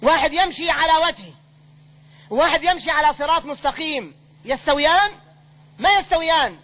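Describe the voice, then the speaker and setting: A sheikh teaches a religious lesson, taking recited verses one line at a time and explaining each in plain colloquial speech. His man's voice sits very high. The recording is dull and lo-fi. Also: expressive, fairly quick. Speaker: sheikh teaching a creed text.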